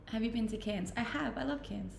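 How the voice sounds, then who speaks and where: A woman's voice: a little high, fairly quick, creaky, roomy sound, a little hiss or hum. A woman from Denmark with a Danish accent, chatting casually on a live stream as she reads out viewer comments and answers them, laughing often. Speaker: Twitch streamer.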